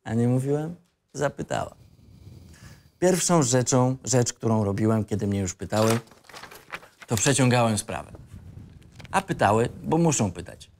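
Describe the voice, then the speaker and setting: A man's voice: mid-range voice, animated, moderate pace, pauses often, darkish tone, slight background noise, natural voice. An actor playing a cocky, disillusioned young male student in an audio drama script reading, with an insolent, ironic and reflective manner. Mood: wry, detached.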